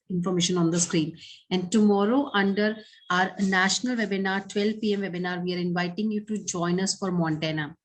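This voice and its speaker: A woman delivers a webinar's closing announcements in a formal, promotional way. Her voice sits at a middle pitch. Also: poor audio. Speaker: webinar co-host.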